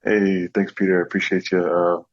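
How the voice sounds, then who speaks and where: Deep-voiced easygoing man. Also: fairly quick, highs cut off. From born in American Samoa, raised in Southern California. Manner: relaxed, easygoing, laughs often. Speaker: guest, content creator. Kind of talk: casual interview chat.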